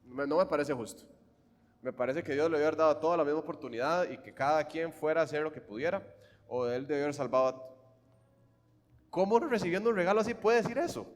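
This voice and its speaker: A man with a Costa Rican accent preaching a sermon, swinging fervently from hushed, quiet lines to loud, emphatic ones. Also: on the high side, quick pace, long reverb tail. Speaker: pastor.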